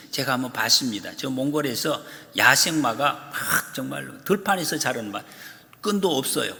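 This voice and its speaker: A male pastor preaching a sermon, telling stories with lively emphasis and acting out quoted prayers and complaints. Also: mid-range voice. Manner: animated storytelling, acts out quoted prayers and complaints. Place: church sanctuary. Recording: long reverb of a church hall.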